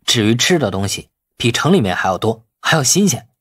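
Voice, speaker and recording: A man's voice: medium pitch, very animated, fairly quick, fairly bright tone, slightly rough. A man voicing an eager, obliging young nephew in audiobook dialogue of a city drama. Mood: eager, confident.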